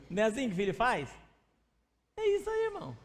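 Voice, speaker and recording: Very high-voiced male pastor in reverberant church. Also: wildly swooping pitch, a little fast. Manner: conversational, addresses congregation by name; acts out stories with quoted voices. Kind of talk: sermon. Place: church sanctuary. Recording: long church hall reverb.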